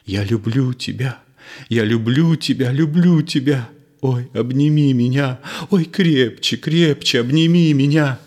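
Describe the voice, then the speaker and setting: A man voicing a frightened woman in a read-aloud play, soft and pleading. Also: mid-range voice, measured pace, voice pushed up. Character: frightened clinging woman, anxious and tender.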